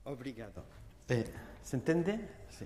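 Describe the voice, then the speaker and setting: A man with a Spanish accent, plus audible room echo. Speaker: professor and education researcher. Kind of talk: lecture. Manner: halting, with many hesitations.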